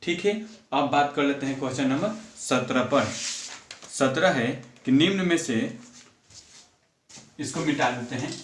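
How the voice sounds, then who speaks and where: A man's voice: medium pitch, measured pace, pauses often, a little hiss or hum. Man teaching math, echoey. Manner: repeats numbers aloud while working sums, asks and answers own questions. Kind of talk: classroom math lesson. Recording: echoey room, far from mic.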